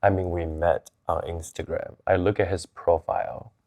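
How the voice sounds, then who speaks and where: Deep-voiced man, candid storyteller. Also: steady tone, moderate pace, a little mellow. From Taiwan, moved to Chicago. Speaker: interview guest.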